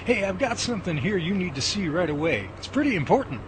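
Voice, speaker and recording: A man acts out an eager, jittery male field researcher in a homemade radio drama. His voice sits on the high side and swings with folksy wonder. A clear layer of noise runs under the recording. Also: sing-song, fast. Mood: urgent. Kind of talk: amateur radio drama acting. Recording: noisy track with ambient rumble.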